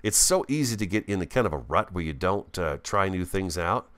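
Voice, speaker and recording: A man giving casual, chatty gameplay commentary as a host, thinking aloud and easily excited, talking with a swollen, bitten tongue. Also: deep voice, a little fast, smooth. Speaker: gaming video host.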